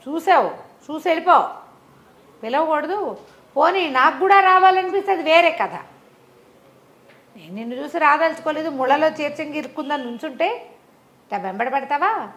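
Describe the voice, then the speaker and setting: A woman storyteller voicing an indignant celestial nymph who scolds a mortal in a sharp, commanding manner. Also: high-pitched, expressive, moderate pace, long pauses, pitched above the performer's own voice. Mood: indignant, scolding.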